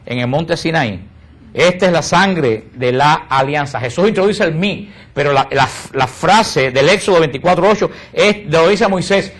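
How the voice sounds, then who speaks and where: Catequista de voz aguda y expresiva. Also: male voice, high-pitched. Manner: asks the audience questions and answers them himself; slows and drops his voice on key words. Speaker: catechist. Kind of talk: catechism teaching to a group.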